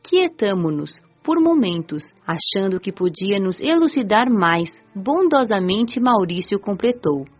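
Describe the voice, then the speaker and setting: An actress playing a young woman spirit who narrates her own story gently and earnestly in a radio drama. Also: medium pitch, big pitch swings, a little slow, few pauses. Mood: reflective. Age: young adult. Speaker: narrator character. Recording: dull lo-fi audio with soft music.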